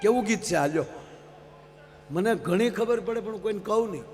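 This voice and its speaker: A man with a Kathiawadi Gujarati accent telling jokes and sermons to a live audience as a folk stage comedian, preachy and lively. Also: high-pitched, moderate pace, a little hiss or hum. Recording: live event hall reverb, faint music.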